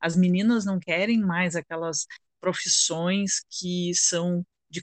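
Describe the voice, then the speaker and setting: A woman speaks at a fairly slow pace with a medium pitch and ordinary pitch variation. It is a plain, everyday voice, heard dry and close with no echo. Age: 40s. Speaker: financial educator. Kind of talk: casual chat.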